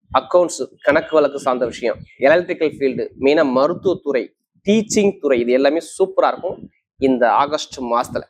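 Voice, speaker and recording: Fast, high-voiced man, emphatic astrologer. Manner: emphatic, assuring, repeats key points. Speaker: astrologer, host. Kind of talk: astrology forecast addressed to viewers. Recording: slightly dull, lo-fi sound.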